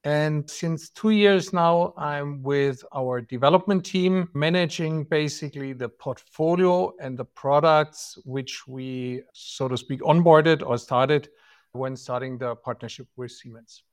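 A man's voice: on the high side, a little slow, clean tone. German-accented man explaining on a podcast. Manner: explanatory, frequent "right?" and "so to speak". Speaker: guest, product manager. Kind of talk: podcast interview answers.

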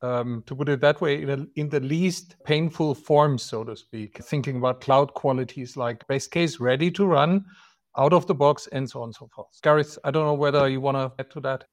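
A man's voice: mid-range voice, normal speed. A middle-aged man from Germany with a German accent, explaining product topics as a podcast guest, often adding "right?" and "so to speak". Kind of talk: podcast interview answers.

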